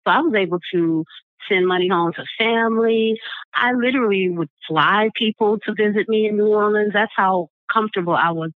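A woman from Michigan who sings jazz on the street, talking reflectively with soft laughs in a phone interview. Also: medium pitch, a little fast, no echo. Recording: tinny phone line.

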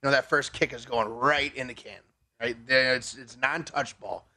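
Bright-voiced confident man. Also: medium pitch, steady tone, moderate pace. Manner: confident, laying out his bets. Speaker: betting guest. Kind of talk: casual sports talk.

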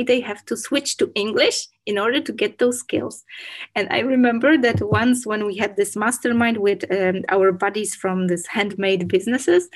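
A woman hosts an interview with a fairly high voice. She talks in a loose, chatty way. She leans on "you know" between her questions. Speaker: podcast host. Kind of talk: conversational interview.

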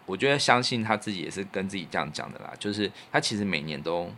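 A man's voice: deep voice, lively intonation, fast talker, bright, forceful tone. A man with a Taiwanese Mandarin accent hosting a podcast in casual, reflective chat, telling anecdotes in an earnest way. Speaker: podcast host; musician.

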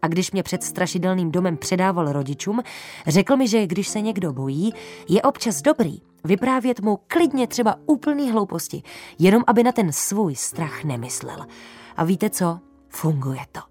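A woman narrating a first-person children's story in a lively, confiding way, speaking straight to the listeners. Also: on the low side, soft background music.

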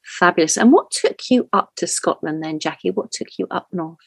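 A woman's voice: fairly low pitch, animated, normal speed, creaky, breathy edge, no room sound. A woman hosting a podcast on spirituality, effusive and encouraging as she interviews her guest. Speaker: podcast host.

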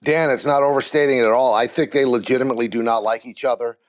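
A man's voice: mid-range voice, fairly even intonation, fast. A man speaking as an interview guest, candid and blunt, with vivid comparisons. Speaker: baseball TV play-by-play announcer, guest.

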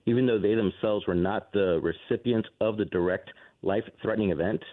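Low-voiced man on a glitchy phone line. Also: brisk. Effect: buzzy, glitchy cell phone line that breaks up. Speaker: counseling professor, radio guest. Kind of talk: call-in radio interview. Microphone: cell phone held to the ear. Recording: tinny, crackly cell phone call.

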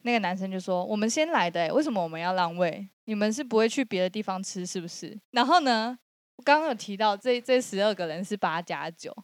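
A woman's voice: mid-range voice, quick pace, no echo. Woman, podcast storyteller, dry close sound. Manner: animated retelling with laughs. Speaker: podcast co-host. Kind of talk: casual storytelling chat.

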